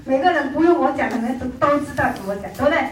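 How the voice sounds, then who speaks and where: High-voiced woman teaching in an echoey room. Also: quick pace, recorded from a distance, slight background noise. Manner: animated storytelling, acts out quoted people. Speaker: beauty sales trainer. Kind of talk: lively sales training talk.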